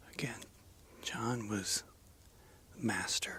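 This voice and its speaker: Whispered speech over noticeable background noise. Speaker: record reviewer. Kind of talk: ASMR soft-spoken album review. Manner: whispered, soft-spoken.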